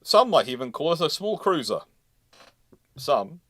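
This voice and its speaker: Male livestream host, slightly high voice, casual panel chat, halting when reading questions, very dry sound. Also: big pitch swings, a bit bright, dry recording.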